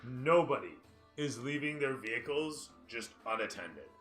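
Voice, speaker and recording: Male game master, casual emphatic narration, bright tone, roomy recording. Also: medium pitch, lively intonation, measured pace. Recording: roomy, music behind.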